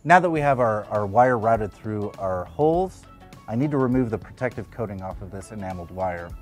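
A man in his thirties presents a scripted tutorial with a lively, varied pitch. He teaches emphatically, as if demonstrating each step, on a lapel mic with music behind him. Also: brisk. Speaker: educational presenter and instructor. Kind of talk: scripted explainer lesson. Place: indoor studio at a demonstration table.

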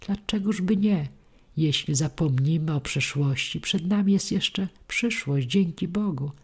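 Woman reading persuasive middle-aged male suitor, coaxing, insistent, husky edge, audiobook. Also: a little high, a little slow.

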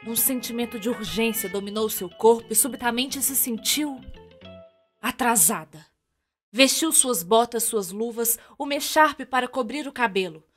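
A woman with a Brazilian accent narrating a radio serial as theatrical storytelling, with deliberate dramatic pauses. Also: a little high, soft background music.

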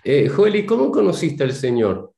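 A man's voice: on the high side, big pitch swings, moderate pace, vocal fry, echoey room. An older man with a Rioplatense Spanish accent, a reverend hosting a friendly studio interview at a desk mic, speaking affectionately to his guest. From Argentina. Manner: warm, affectionate toward guest. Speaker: host, reverend. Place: studio with purple-lit backdrop. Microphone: desk podcast mic.

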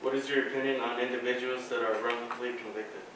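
A man questioning classmates as mock jurors in a university lecture hall, asking with frequent fillers and pauses. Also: medium pitch, flat delivery. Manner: hesitant, filler-heavy questions. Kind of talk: classroom role-play questioning. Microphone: far camera. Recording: echoey hall from far off, noisy.

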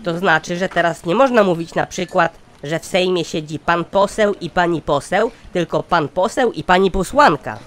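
In a satirical cartoon, a man plays a pompous, sardonic company chairman who schemes and speaks formally, sounding exasperated as he lectures. His voice is high and fairly bright, at normal speed with few pauses.

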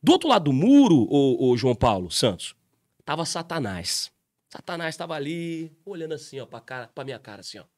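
A man giving a casual commentary monologue to his viewers, telling a story in an animated way and talking to them directly. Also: on the high side, fairly quick, no echo, clean studio sound. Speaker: YouTube commentator.

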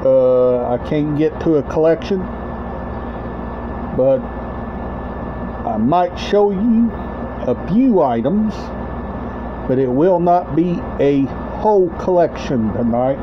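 A middle-aged man hosts a collection video channel, rambling casually to camera in a show-and-tell vlog from a small room at home. His fairly high voice has lively intonation, but he speaks haltingly in short, broken phrases and repeats himself. The dull, lo-fi webcam-like sound carries clear background noise.

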